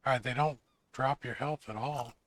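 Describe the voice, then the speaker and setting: A man with a slightly hoarse voice, chatting casually while playing a survival video game. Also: medium pitch, steady tone, normal speed. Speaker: gaming channel host. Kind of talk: casual let's-play commentary.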